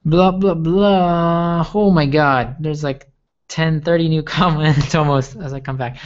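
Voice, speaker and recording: A man's voice: on the high side, fairly even intonation, a little slow. Eager rambling young man, lo-fi stream. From Okinawa, Japan. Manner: eager, rambling, repeats words. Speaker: livestream host. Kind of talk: live Q&A tech stream. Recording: lo-fi livestream audio.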